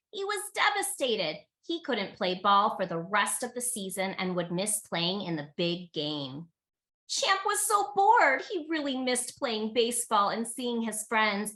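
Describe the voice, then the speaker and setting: A woman reading a picture book aloud to children in an expressive, teacherly way, speaking directly to her listeners. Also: fairly high pitch. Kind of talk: animated children's read-aloud.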